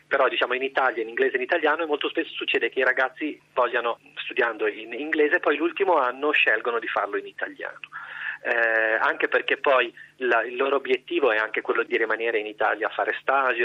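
Muffled, low-voiced man being interviewed. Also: husky. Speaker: guest, fashion school educator. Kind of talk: radio interview, explanatory talk.

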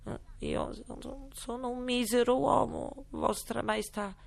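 A woman's voice: on the high side, steady tone, takes it slowly, vocal fry, pitched above the performer's own voice, full character voice. A woman voicing a nervous, muddled hatter who stammers in a storybook reading. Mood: flustered. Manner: stammering, flustered.

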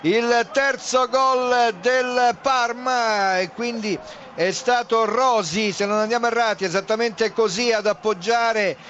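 Male football reporter, emphatic goal updates, very high pitch, lo-fi feed. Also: fairly even intonation, takes it slowly, a bit bright. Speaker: football commentator. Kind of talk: live goal-update commentary. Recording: dull broadcast line, faint noise.

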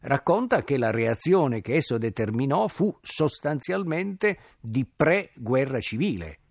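A man lecturing on the radio at a middle pitch, speaking slowly and thoughtfully. He pauses often with hesitant fillers as he builds each point. The studio sound is close and dry, with no room echo. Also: very animated, vocal fry. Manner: measured, thoughtful delivery with frequent "eh" pauses. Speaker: lecturer on ancient history.

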